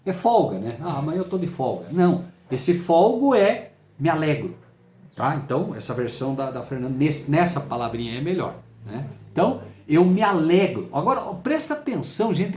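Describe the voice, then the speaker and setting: Man, Brazilian accent, Bible study teacher, lively swinging pitch, echoey room. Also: normal speed. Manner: emphatic, asks rhetorical questions and answers them.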